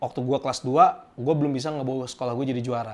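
With a Javanese accent, a man speaks at a moderate pace using lively intonation. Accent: Javanese medok, from Jogja years. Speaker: infotainment TV host. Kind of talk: casual chat. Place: studio. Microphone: lapel.

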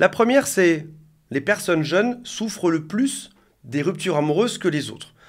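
Against a quiet background, a man talks at a moderate pace. His pitch swings very widely. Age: 40s. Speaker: relationship coach YouTuber. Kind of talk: video monologue giving advice. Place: home room. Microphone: studio mic.

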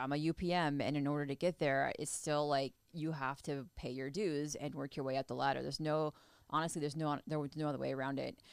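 Over a quiet background, a woman with a very deep, low pitch talks at a fairly quick pace in a dry sound with no echo. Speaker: unit production manager. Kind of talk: casual interview chat. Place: studio. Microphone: studio mic.

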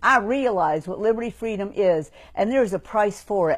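Against a quiet background, a woman speaks with a passionate tone. Her pace is moderate and her intonation lively. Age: 60s. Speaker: religious political commentator. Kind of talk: sermon-style political address. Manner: passionate, earnest. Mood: fervent, stern. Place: home room. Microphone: phone near.

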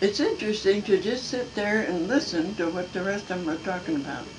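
A woman's voice with lively intonation at a moderate pace, over noticeable background noise. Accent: Upper Midwest. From northern Michigan. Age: 80s+. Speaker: storyteller. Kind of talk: interview answer. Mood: relaxed, reminiscing. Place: home room. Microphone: camera far.

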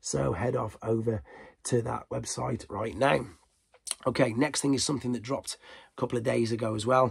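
A man speaks with a British accent and vocal fry. His speech has long, frequent pauses. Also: medium pitch for a man, ordinary pitch variation, moderate pace. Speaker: toy news YouTuber. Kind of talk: solo news roundup video.

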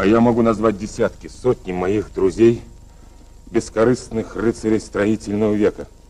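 Here a man speaks with a dark, mellow tone. His pace is moderate. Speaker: speaker. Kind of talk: public speech. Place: hall. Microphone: old recording.

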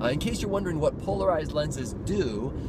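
A man's voice comes through dry, with no echo. Loud background noise sits behind him. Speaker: product reviewer. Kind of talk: casual vlog chat. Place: car. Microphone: phone near.

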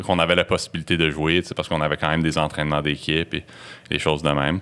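A very deep, low-pitched man's voice with a bright, sharp tone. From Quebec. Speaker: university football coach. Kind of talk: casual chat. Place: studio. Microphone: studio mic.

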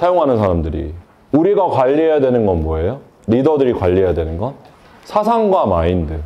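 A man's pitch swings very widely as he talks fairly quickly. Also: medium pitch for a man. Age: 30s. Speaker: hair salon owner and educator; educator. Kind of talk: lecture. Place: classroom. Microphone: handheld.

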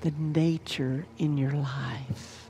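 Over music in the background, a woman with a very deep, low pitch speaks in a calm tone at a very slow pace. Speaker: minister; meditation guide. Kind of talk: guided meditation. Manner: calm, slow.

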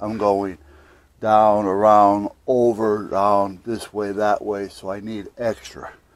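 This man's pitch is fairly low. His very slow speech has a dry sound with no echo. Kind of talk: casual tutorial narration. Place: car. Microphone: phone near.

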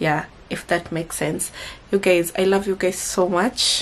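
A woman's voice at a fairly slow pace, with fairly even intonation. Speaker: reaction video creator. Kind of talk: casual vlog chat. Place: home room.

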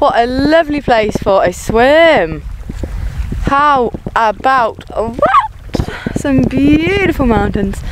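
On a dry recording with no echo but noticeable background noise, a woman speaks with ordinary pitch variation. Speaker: outdoor travel vlogger. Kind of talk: casual vlog chat. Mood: relaxed, content. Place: beach. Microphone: phone near.

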